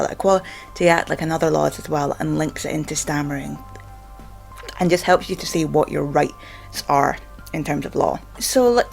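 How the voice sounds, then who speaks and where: Scottish female vlogger, low voice, stammers, halting informal delivery padded with fillers, music underneath. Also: creaky, a little mellow. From Scotland. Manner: halting, with frequent repeated filler words. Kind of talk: informal explainer to camera.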